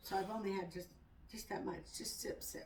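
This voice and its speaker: This woman's voice is somewhat breathy. She keeps a moderate pace. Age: 50s. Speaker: vlogger. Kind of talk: casual chat. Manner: halting.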